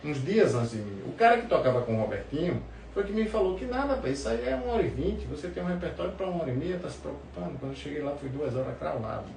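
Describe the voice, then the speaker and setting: A man from the forró scene speaks in a casual, anecdotal way with a northeastern Brazilian accent. His voice has a strong creaky grain. The sound is roomy, with faint noise behind him. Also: fairly high pitch, big pitch swings, quick pace, few pauses, a little mellow. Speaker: podcast guest, forró musician. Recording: roomy, distant mic, faint background noise.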